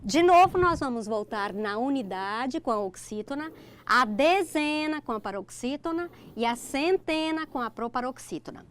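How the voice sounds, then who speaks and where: Teaching grammar in a recorded online lesson, this middle-aged Brazilian woman speaks with a Brazilian Portuguese accent in a high-pitched, expressive voice at a moderate pace. She lays things out step by step and keeps asking "ok?".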